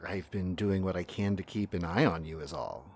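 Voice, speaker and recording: Audio drama partner, played by a man: deep, grave and gentle, tired and ailing, quietly knowing, measured delivery. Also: husky. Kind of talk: fiction podcast acting.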